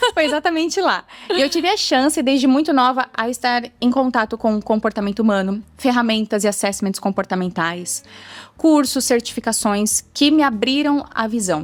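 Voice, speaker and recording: The woman speaks at a high pitch with lively intonation and a moderate pace. Her loudness is very even, and the recording is very clean with a silent background. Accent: São Paulo. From Brazil, São Paulo. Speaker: leadership and behavior consultant. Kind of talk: podcast interview.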